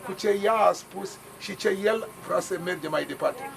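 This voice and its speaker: A man in the audience insisting on how the translation should be done, halting and repeating himself. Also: sits high, gravelly, a bit bright. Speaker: audience member.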